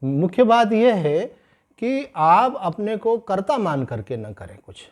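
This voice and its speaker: A man, a swami giving a sermon-style scripture discourse, explaining calmly and slowing down to stress key points. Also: sits high. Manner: calm explanatory teaching, mixing in English phrases, slows to stress points.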